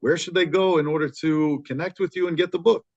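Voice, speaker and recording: A man's voice: fairly high pitch, fairly even intonation, a little fast, no echo. A man hosting a podcast, closing out an interview in an upbeat, complimentary way. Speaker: podcast host. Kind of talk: wrapping up an interview. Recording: dry, dull lo-fi audio.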